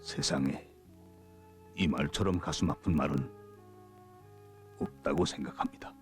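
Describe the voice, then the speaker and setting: An actor with a North Korean accent playing a devoted, self-reproaching bureau director in a film drama, solemn and measured. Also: male voice, very deep voice, faint music behind. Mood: solemn remorse.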